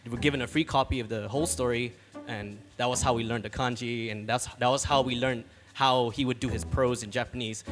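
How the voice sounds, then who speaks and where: Hesitant young man discussing books. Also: medium pitch. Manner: thoughtful, hesitant with fillers. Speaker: audience member at a book party. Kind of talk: casual discussion.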